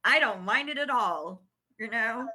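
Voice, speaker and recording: A woman's voice: on the high side, lively intonation, measured pace, sharp tone. A woman chatting casually and informally as a community volunteer. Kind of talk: casual chat.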